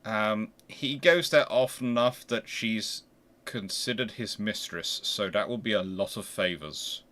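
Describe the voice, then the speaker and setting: A man's voice: on the low side, a little slow, fairly bright tone. A man hosting a casual history panel discussion in a conversational way.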